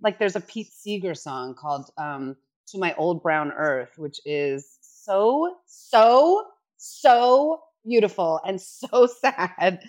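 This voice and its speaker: A middle-aged woman from New York City talks as an actor guest on a podcast. Her voice sits in a middle register and swings up and down with lively energy. She laughs easily and restarts her sentences as she chats. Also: mid-range voice. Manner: animated, laughs often, quick restarts. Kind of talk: casual chat.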